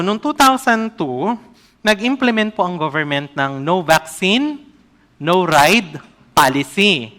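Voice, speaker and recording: A man preaching a sermon as an evangelist, often asking the congregation questions and reading scripture aloud slowly. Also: a little high, pushed and bright.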